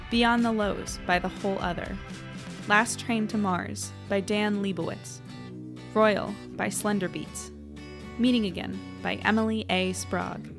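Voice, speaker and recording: A woman's voice: mid-range voice, vocal fry. A woman who produces the podcast, reading a scripted outro with the credits.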